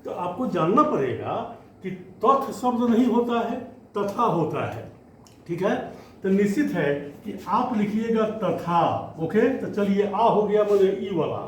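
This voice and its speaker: A man teaching Hindi grammar to students, explaining slowly and often stretching out words as he goes. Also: high-pitched, animated, a little hiss or hum. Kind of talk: classroom lesson. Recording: echoey room, faint ambience.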